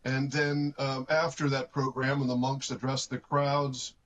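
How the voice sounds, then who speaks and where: Man explaining plans in a measured way. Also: medium pitch, little pitch movement, a bit bright. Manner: measured and explanatory, with occasional fillers. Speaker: cathedral representative. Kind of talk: live news interview.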